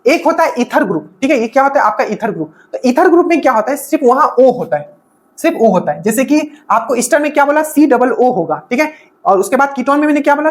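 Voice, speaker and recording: A woman teaching an exam-prep lesson, explaining step by step, repeating key points and often checking in with her students. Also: sits high. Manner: explains step by step, often checking in with "okay" and asking rhetorical questions. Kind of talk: exam-prep classroom lecture.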